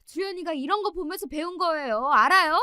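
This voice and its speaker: A woman voicing a patient middle-aged mother who talks softly and coaxingly. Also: extremely high pitch, fairly quick, no room sound, clean studio sound, voice pushed up. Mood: firm protective. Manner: soft, coaxing, caring.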